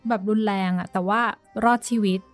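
A woman's voice: medium pitch, steady tone, fairly quick, soft background music. A woman co-hosting a podcast, telling a story in a chatty, hesitant way and dropping in English words. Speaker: podcast co-host. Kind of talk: casual chat.

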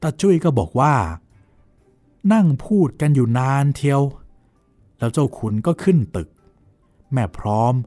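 A man's voice: mid-range voice, a little slow, pauses often, dry recording, faint music behind, natural voice. A man reading a polite young nephew. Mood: deferential. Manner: deferential, recounting events with lively acted quotes. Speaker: reader voicing a character. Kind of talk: dramatized novel reading.

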